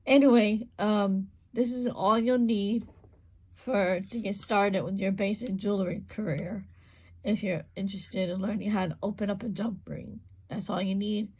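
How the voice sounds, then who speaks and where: A woman hosting a casual jewelry-making tutorial, talking through each step in a relaxed, repetitive, unscripted way as her voice goes hoarse. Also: medium pitch. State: voice going hoarse. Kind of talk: casual hands-on craft demonstration.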